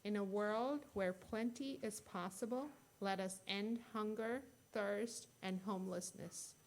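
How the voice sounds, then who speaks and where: A woman leading worship, reading a prayer aloud in a measured, solemn way. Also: mid-range voice, creaky, a little mellow. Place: church sanctuary.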